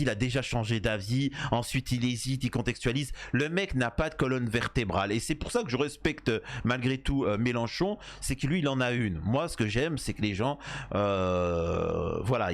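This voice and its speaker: A man with a French accent giving casual, slangy, opinionated commentary and speaking straight to his viewers. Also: mid-range voice. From France. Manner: familiar, opinionated, addresses viewers directly. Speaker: commentator reacting to interview clips.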